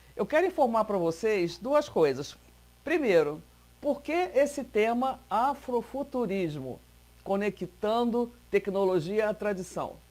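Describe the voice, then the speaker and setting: With very wide pitch swings and a fairly high pitch, a woman talks at a very slow pace. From Rio de Janeiro, Brazil. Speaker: panel moderator. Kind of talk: panel moderation.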